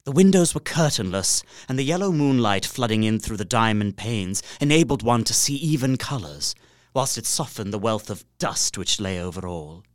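An actor playing an anxious young man trapped in a castle, narrating a diary in a gothic horror audio drama with dramatic hushed dips and swells. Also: lowish voice, lively intonation, normal speed, dry recording, clean studio sound, lightly acted. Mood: tense, searching.

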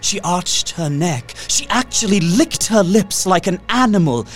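An actor playing an anxious young man trapped in a castle, narrating a diary in a gothic horror audio drama with dramatic hushed dips and swells. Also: sits high, expressive, unhurried, faint music behind. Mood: entranced, fearful.

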